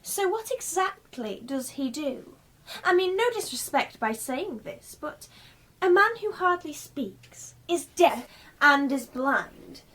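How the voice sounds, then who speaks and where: A woman's voice: high-pitched, sing-song, slow, bright, forceful tone, heavily acted, rough recording. A woman playing a bewildered, indignant and prim journalist in a radio play, insistently questioning. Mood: puzzled.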